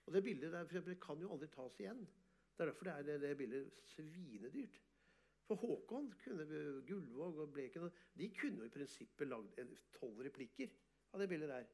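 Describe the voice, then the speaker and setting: A man, an artist and photographer, telling animated, boastful stories in an interview and often laughing. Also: a little high. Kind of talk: casual storytelling interview.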